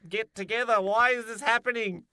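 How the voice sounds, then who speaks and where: A man with a bright, punchy voice chats casually as a podcast co-host. He leans on words and repeats them for emphasis. The sound is dry, with very little room in it. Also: very high voice, steady tone, fairly quick, clear, resonant tone, dry recording. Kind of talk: casual podcast chat about film and games.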